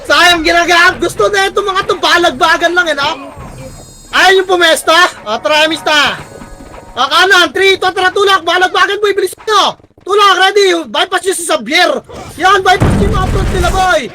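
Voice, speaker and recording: A very high-pitched woman calls the shots for her team in the middle of a live game. Her voice is bright and piercing. She fires off quick orders, swears at her teammates nonstop, and often breaks into exasperated shouting. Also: soft background music, low-quality recording. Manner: barks rapid commands and swears constantly at teammates. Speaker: team commander in an online strategy game. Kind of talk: live gameplay shot-calling.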